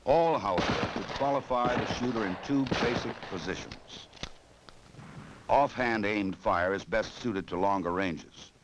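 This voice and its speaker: Casting: American man, lowish voice, measured and authoritative 1960s training film narrator, noisy vintage film audio. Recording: noisy old film soundtrack.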